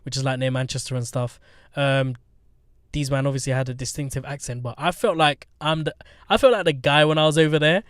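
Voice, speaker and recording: A man's voice: mid-range voice, steady tone, fairly quick, no room sound, studio quality. A young man, hosting a podcast in easygoing, slang-heavy chat. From North London. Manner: easygoing, chatty, uses London slang. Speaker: podcast host. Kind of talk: casual banter.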